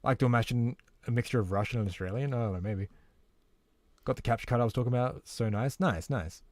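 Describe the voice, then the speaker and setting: A man's voice: medium pitch, quick pace, darkish tone, no room sound. A man live-streaming a game, chatting casually and reading viewer comments aloud in a laid-back way. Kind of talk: casual live-stream chat while gaming.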